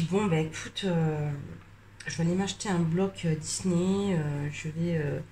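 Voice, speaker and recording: A tired, slightly congested woman chatting casually while coloring, rambling with many hesitations and pauses. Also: fairly low pitch, a little hiss or hum. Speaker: coloring vlogger.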